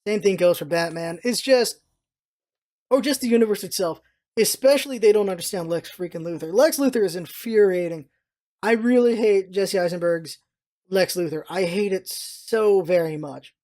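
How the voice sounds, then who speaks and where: A man's voice: high-pitched, normal speed, a little mellow. A man hosting a vlog with casual, opinionated commentary, rambling and repeating himself for emphasis. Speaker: vlog host, gaming content creator.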